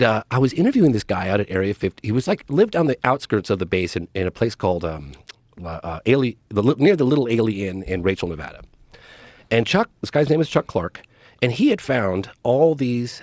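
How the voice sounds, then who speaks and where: A man's voice: lowish voice, no echo, clean studio sound. A middle-aged man, a documentary filmmaker guest, telling a story in a casual podcast interview and acting out quoted dialogue. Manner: animated, acts out quoted dialogue.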